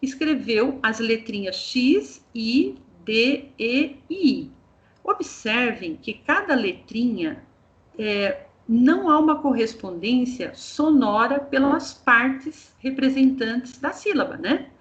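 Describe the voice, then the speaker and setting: A Brazilian woman, a teacher trainer, walks a group through an online training session with patient, step-by-step explanations. Her voice sits a little on the high side. The sound is muffled and lo-fi, like audio from a video call. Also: sing-song, slow pace.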